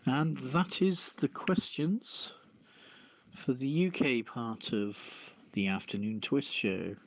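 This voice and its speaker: Slow-paced man hosting, dull sound. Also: mid-range voice, sing-song, dry recording. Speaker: show host and quizmaster. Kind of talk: casual radio quiz chat. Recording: dry, dull lo-fi stream audio.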